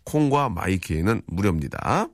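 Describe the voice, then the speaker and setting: In a casual studio radio chat, a man reads out listener messages, joking around and meandering with lots of filler words. He speaks at a normal speed in a low, sing-song voice.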